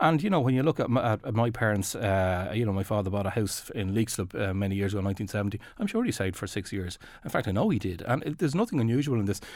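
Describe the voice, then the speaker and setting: A man with an Irish accent talks very fast in a fairly low voice, with ordinary pitch variation and hardly any pauses, on a very clean recording with a silent background. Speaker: housing economics lecturer. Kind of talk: radio interview. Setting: radio studio.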